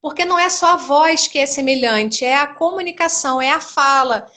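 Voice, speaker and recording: A middle-aged woman with a notably high voice, explaining in a patient, teacherly way. She speaks as a speech therapist on a live video call, with homely examples. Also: moderate pace, bright, forceful tone. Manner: didactic, explains with everyday examples. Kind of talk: explanatory live-stream chat.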